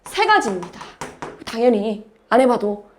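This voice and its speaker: A woman's voice: a little high, big pitch swings, normal speed, slight background noise. A woman math teacher lecturing a class, explaining step by step and asking her students questions.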